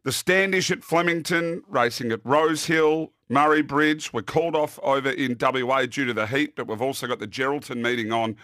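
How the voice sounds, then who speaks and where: A man's voice: medium pitch, normal speed, few pauses, pushed and bright, no echo, clean studio sound. A man with an Australian accent hosting a casual sports preview in a jokey, bantering way. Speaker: host.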